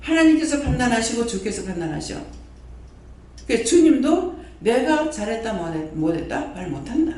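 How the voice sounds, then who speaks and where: A male pastor delivers a sermon, his high voice leaping up and down as he repeats phrases and fires questions at his listeners. He is recorded from far off in a very echoey prayer hall. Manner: animated preaching, repeats phrases, quizzes the congregation.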